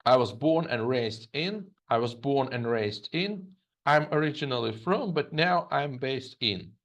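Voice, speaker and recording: A man from Germany, an English teacher, narrating a scripted lesson and reading example phrases slowly and twice. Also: mid-range voice, animated, a bit bright. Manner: reads example phrases slowly and repeats them.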